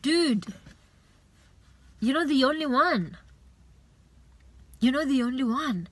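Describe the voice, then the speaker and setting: A woman with a fairly high voice gives a faith-based motivational vlog talk. She pleads earnestly, circling back and repeating her points. The sound is close and dry, with no room around it. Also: expressive, takes it slowly, no echo. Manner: earnest, urging and repetitive, with many restarts and "you know". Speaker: vlogger.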